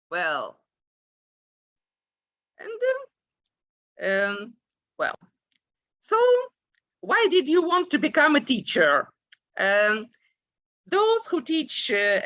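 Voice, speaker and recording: Woman, 40s, Russian-native English speaker presenting; slow and halting, lively intonation, dry sound. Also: sits high, dry recording, muffled recording. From Ukraine. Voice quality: frequent hesitations, many drawn-out "uh"s. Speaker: symposium presenter, English teacher. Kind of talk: conference presentation.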